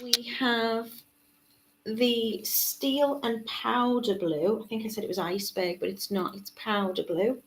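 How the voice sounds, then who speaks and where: A woman's voice: fairly high pitch, fairly even intonation, measured pace, a little hiss or hum, poor audio. A woman hosting a live beading tutorial in a chatty way. She reads out viewer comments and uses many fillers. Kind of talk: live-stream tutorial chat.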